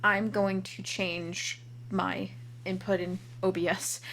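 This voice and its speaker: A woman giving a casual live software walkthrough, recorded with clear noise and hum behind her. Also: mid-range voice, little pitch movement, takes it slowly. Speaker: demonstrator of voice changer software. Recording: clearly noisy, humming home recording.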